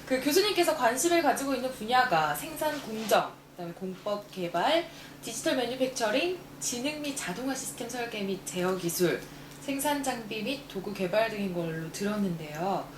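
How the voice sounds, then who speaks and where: A woman interviewer asks her questions politely and often answers with brief "yes" sounds. Her pitch moves a lot as she speaks. The room has a strong echo and noticeable background noise. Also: lively intonation, moderate pace. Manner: polite and attentive, with frequent short acknowledgements.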